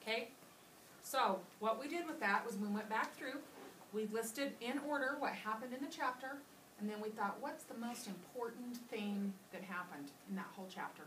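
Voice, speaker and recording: A woman's voice: mid-range voice, a bit bright, a little hiss or hum. A woman teacher leading a classroom reading lesson, patiently asking her pupils questions and restating their answers. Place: classroom, indoors. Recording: roomy classroom audio from a distant mic.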